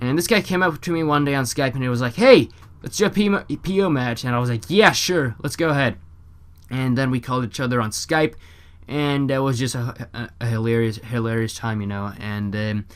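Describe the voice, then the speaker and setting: A man talks with a non-native accent at a medium pitch. His pace is fairly quick. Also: lively intonation. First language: not English. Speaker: gaming YouTuber. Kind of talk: gameplay commentary. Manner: casual, filler-heavy.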